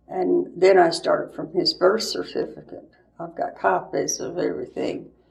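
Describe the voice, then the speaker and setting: A woman talks at a moderate pace with big swings in loudness. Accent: American. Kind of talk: oral history interview answer. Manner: colorful storyteller, rambling.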